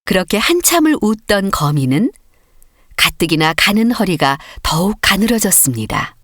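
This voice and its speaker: A woman's voice: mid-range voice, very animated, normal speed, a bit bright, no echo, clean studio sound. A woman narrating a children's story as a scripted audiobook reading.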